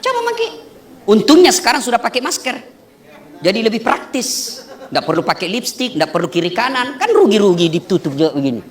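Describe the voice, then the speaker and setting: A male preacher giving a lively, joking wedding sermon to an audience, often asking questions and then answering them himself. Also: sits high, fairly quick. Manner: animated, joking, asks and answers own questions.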